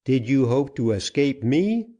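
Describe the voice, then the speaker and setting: A man's voice: medium pitch, very animated, unhurried, mellow, muffled recording, voice pushed up. A man voicing a stern male frontier hero who grimly mocks his captive.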